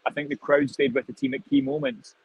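Speaking as a guest on a video call from the stadium, this twenty-something football reporter gives live reaction analysis, musing and rambling through the match with many restarts. His voice sits on the high side with big pitch swings, a little fast, gravelly with a breathy edge. The audio sounds dull.

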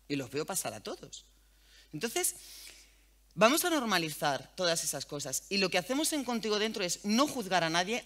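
A woman with a low voice, a journalist and radio host, gives a lively public talk to an audience in an event hall. She comes across as frank, colloquial and animated, and she swears freely.

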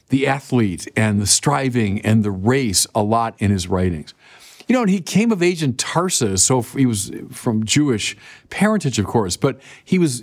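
Animated older man preaching a sermon. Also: medium pitch. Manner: animated, conversational preaching with direct appeals. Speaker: bishop. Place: dim indoor studio.

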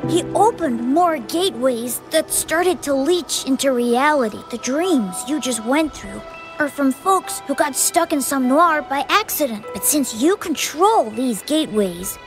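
A coy, high white cat spirit. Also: female voice, animated, measured pace, soft background music, rough recording. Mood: teasing. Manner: coy, secretive, lightly teasing. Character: mysterious white cat spirit, teasing guide.

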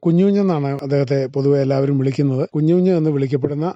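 A man who hosts a radio farm interview, asking brisk, formal questions. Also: a little high, mellow, dry recording. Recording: dull lo-fi radio recording.

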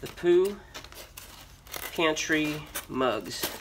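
A man's voice: a little high, expressive, very slow. A middle-aged American man giving casual, unscripted commentary while unboxing, rambling and thinking aloud. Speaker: vlogger, storage auction buyer and reseller. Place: storage unit with concrete floor. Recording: noisy handheld recording, crinkling and clicks. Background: loud rustling, crumpling and clicking.

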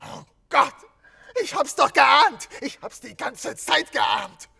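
An actor in a crime radio play voicing an agitated innkeeper grieving his murdered wife, halting, stammering and swearing bitterly. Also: very high-pitched, expressive, vocal fry, bright, forceful tone, full character voice. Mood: furious, distraught. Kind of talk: dramatic audio drama acting.

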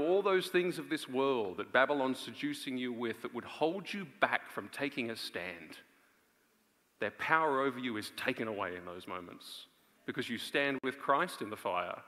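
A man in his thirties preaching an earnest, emphatic live sermon with dramatic pauses on a large auditorium stage. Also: mid-range voice, a bit bright. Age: 30s. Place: on stage in a large theatre before an audience. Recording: reverberant large auditorium sound.

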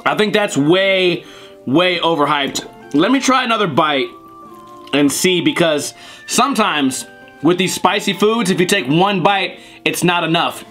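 A man's voice: high-pitched, expressive, a little slow, sharp tone, faint music behind. Blunt young man reviewing noodles. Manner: blunt, crude, jokey. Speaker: host. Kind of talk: casual food review vlog. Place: living room, on a couch.

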